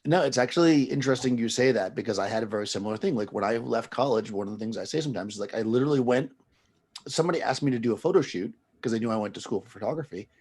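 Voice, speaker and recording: Fast-talking husky man. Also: mid-range voice, a little mellow. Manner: quick, chatty, laughing easily. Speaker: photographer host. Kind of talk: casual chat.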